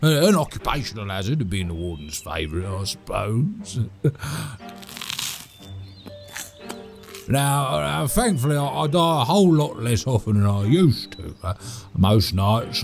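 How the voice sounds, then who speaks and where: A cheerful, chatty British manservant in an audio drama. He rambles and stammers through his monologue in a mid-pitched voice that swings up and down freely. Faint music sits behind him. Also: lively intonation, normal speed, creaky, a little mellow. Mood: rueful, amused. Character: chatty, cheerful, oft-killed manor servant named Todd.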